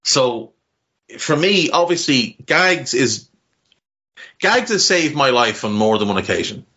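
A man's voice: mid-range voice, sing-song, measured pace, bright, forceful tone. A man co-hosting a casual podcast chat, talking frankly and earnestly, swearing now and then and restarting his phrases. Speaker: podcast co-host. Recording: dull lo-fi audio.

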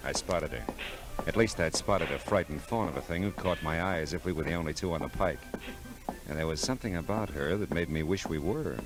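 An actor playing a cool, laconic hard-boiled private detective with wry delivery in a 1940s radio drama. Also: male voice, sits low, a little fast, close to an everyday voice, low-quality recording. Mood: brooding narration. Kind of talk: 1940s radio drama acting and noir narration. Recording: old radio recording, music behind.

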